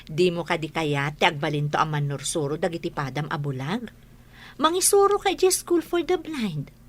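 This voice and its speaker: A woman's voice: deep voice, big pitch swings, normal speed. A woman voicing a mother and teacher who encourages her blind child. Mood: encouraging.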